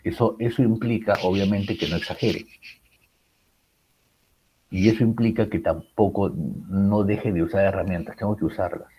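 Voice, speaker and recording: A man's voice: low voice, fairly even intonation, normal speed, pauses often, mellow, slightly rough, poor audio. A man teaching a writing class, explaining public speaking with many rhetorical questions and fillers. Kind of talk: recorded class lecture.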